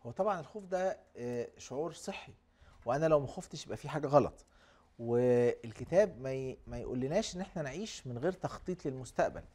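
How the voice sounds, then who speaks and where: Quick Egyptian man explaining calmly. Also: medium pitch. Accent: Egyptian Arabic. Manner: calm, explanatory. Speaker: guest speaker. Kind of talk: live studio talk show.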